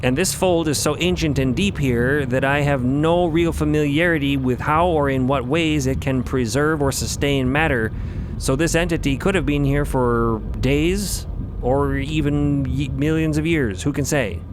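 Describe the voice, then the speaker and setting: Man putting on an emphatic, high-pitched motherly scholar. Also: a little slow, background noise, close to an everyday voice. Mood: emphatic, baffled. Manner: emphatic, formal wording. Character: exclaiming motherly scholar named Artifice, yelling in theatrical bafflement. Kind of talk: audio fiction character acting.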